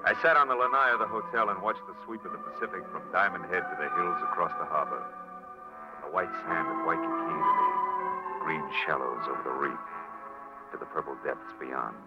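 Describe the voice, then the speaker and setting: Wry hard-boiled detective, really low voice, old muffled radio show. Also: male voice, lively intonation. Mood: wistful narrating. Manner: wry, terse, measured delivery. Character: hard-boiled private detective, adult man, wry, world-weary, reflective. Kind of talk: 1940s radio detective drama acting and narration. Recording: muffled vintage radio recording, faint music.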